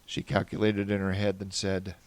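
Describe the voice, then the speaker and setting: A man's voice: low voice, monotone, moderate pace, dry recording. A man narrating a first-person fan fiction story in a wry, earnest way.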